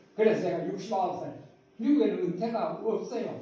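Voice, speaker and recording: The speech comes at a moderate pace with lively intonation. Noticeable background noise and audible room echo are present. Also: man. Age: 70s. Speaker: pastor. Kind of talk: sermon.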